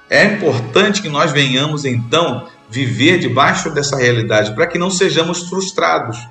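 A Brazilian man preaching a sermon as a bishop speaks earnestly, repeating phrases for emphasis and pausing between them. His voice is medium-pitched with a sharp tone, and the sound is roomy.

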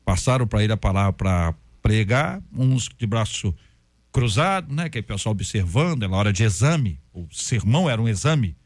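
A man, a pastor, talking about prayer in a relaxed, conversational way and acting out stories and prayers. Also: fairly low pitch, moderate pace, dry recording. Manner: storytelling, acts out prayers and quotes. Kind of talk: conversational faith talk.

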